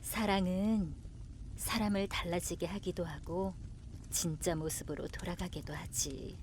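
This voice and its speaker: A gentle middle-aged mother played by a voice actress gives wise counsel in an audio drama. Her voice is on the low side, with faint ambient noise behind it. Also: fairly even intonation, unhurried, lightly acted. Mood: tender, wise.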